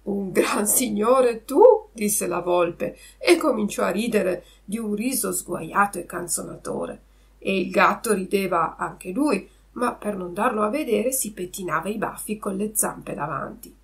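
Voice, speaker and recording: A woman narrating a children's classic in a clear, measured read-aloud style as a podcast host. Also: mid-range voice.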